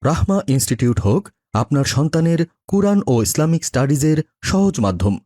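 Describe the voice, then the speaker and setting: Animated, husky male announcer. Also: a little high, brisk, no echo, clean studio sound. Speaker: advertisement voice-over artist. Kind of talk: scripted promotional narration.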